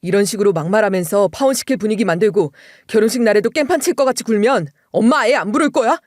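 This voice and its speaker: A woman's voice: lowish voice, steady tone, brisk, darkish tone, no echo, clean studio sound, pitched below the performer's own voice, natural voice. A woman voicing a devoted young husband who speaks firmly and protectively. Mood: shouting. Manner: reassuring, firm.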